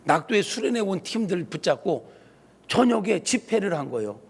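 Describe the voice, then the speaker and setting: A man preaching a sermon as senior pastor, telling stories with animated delivery and acting out the people he quotes. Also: sits high, moderate pace, vocal fry, slightly rough. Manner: animated storytelling, acting out quoted phone calls. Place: church sanctuary. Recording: long church hall reverb.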